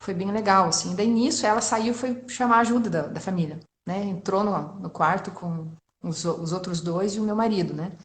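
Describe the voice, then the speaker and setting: A woman in her thirties from Brazil recounts a personal story with open emotion. She keeps checking in with her listener through little tag questions. Her voice sits at a middle pitch and carries a noticeable room echo. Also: normal speed, hardly any pauses. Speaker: entrepreneur guest sharing testimony. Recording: roomy echo.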